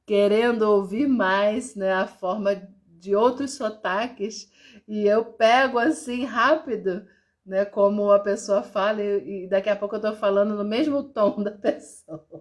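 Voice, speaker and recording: A woman from Brazil, a therapist with a Brazilian accent, talking casually to viewers on a live stream and laughing now and then. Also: mid-range voice. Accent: Brazilian Portuguese. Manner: chatty and warm, laughs often, reads out viewer comments.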